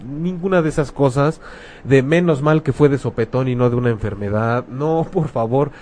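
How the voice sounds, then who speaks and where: A man's voice: mid-range voice, normal speed, darkish tone. Frank Mexican man, casual talk. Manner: colloquial, frank, uses rhetorical questions and slang. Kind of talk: casual talk about grief.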